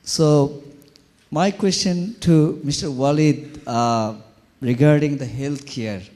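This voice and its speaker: A man's voice: on the high side, slow, a little mellow. A man from Bangladesh with a Bangladeshi accent, asking a question from the audience at a conference. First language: Bengali. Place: large conference hall. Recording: long hall reverb.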